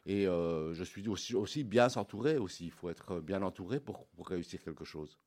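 Middle-aged man, very low voice, lively answers, repeats words, interview guest. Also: moderate pace. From Belgium. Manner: animated, repeats words when searching. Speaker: milliner guest.

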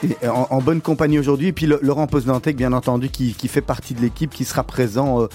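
Halting male talk-show host. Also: mid-range voice, fairly even intonation, mellow, soft background music. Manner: hesitant, repeats words often. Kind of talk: radio business talk show.

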